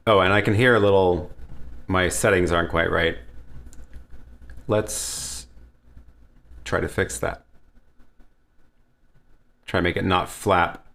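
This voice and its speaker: Man, very low voice, casual livestream host, relaxed, restarts sentences, home studio. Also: slow, creaky, pauses often. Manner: relaxed, thinks aloud with many restarts. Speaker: livestream host answering viewer questions. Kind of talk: casual live Q&A. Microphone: headset or desk mic with headphones.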